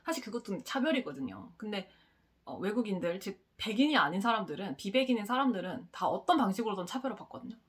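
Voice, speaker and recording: A young woman giving a casual book review, blunt and quick to laugh, now and then swearing. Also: medium pitch, sing-song, slightly rough.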